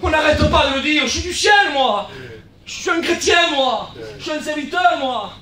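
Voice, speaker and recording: A man with a southern French accent preaches with real fire, his voice sitting very high and ringing bright. He swings between shouted lines and softer, confiding asides, often repeating a word before pushing on. He is heard from some distance in an echoey church. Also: expressive, normal speed. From South of France. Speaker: guest pastor. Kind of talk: sermon. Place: church hall.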